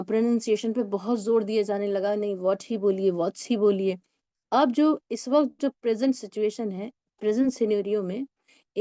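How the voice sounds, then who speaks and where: In this spoken English lesson, a female teacher patiently works through sentences with her students, pronouncing each one slowly word by word. She sounds warm and mellow, somewhat high and creaky, captured up close in a dry, echo-free recording.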